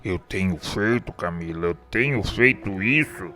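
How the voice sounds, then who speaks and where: Radio drama lead: male actor as remorse-haunted murderer, anguished and declamatory, low register, very measured delivery. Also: lively intonation, pushed and bright, faint music behind, heavily acted. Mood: despairing. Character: tormented, remorseful man haunted by his murder. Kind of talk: radio drama acting, formal literary speech.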